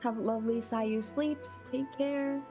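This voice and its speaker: Woman, fairly high voice, casual game-stream chat, playful, welcoming, light background music. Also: steady tone, slow pace. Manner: playful, chatty, welcoming to viewers. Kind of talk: casual chat while playing.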